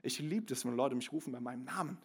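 A young man preaching a sermon, sliding from soft confiding asides into loud emphatic calls, with many fillers and restarts. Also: medium pitch, quick pace, gravelly, husky. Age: young adult. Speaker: pastor.

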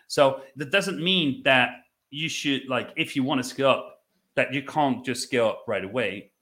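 Dutch man, reflective and halting. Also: mid-range voice, bright, forceful tone. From Netherlands. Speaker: podcast guest, business owner. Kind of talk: conversational interview storytelling.

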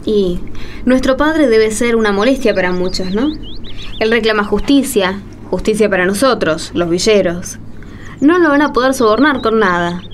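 A woman's voice: mid-range voice, expressive, moderate pace, slight background noise, lightly acted. A woman playing an emotional, caring shantytown neighbour in a radio drama, chatty, with an Argentine accent. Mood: moved, grateful. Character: warm, emotional shantytown neighbour and devout friend.

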